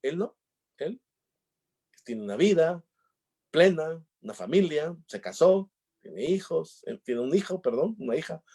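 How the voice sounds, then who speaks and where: A man's voice: on the high side, expressive, unhurried, long pauses, dark tone, husky. A man giving a talk on emotional intelligence, telling jokey stories and acting out the dialogues. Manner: jokey storyteller, acts out dialogues. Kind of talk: conference talk with anecdotes.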